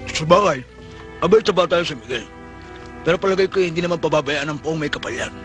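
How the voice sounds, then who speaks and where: A man's voice: a little high, fast, natural voice. An actor playing a stern but caring old grandfather in a 1980s Filipino action film, with a Filipino accent. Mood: concerned. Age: older. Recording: old film soundtrack with loud music.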